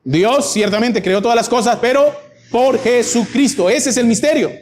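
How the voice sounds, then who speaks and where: High-voiced preacher. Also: male voice, moderate pace, a little mellow, slight background noise. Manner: emphatic, rhetorical questions, varying pace. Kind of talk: sermon Bible teaching.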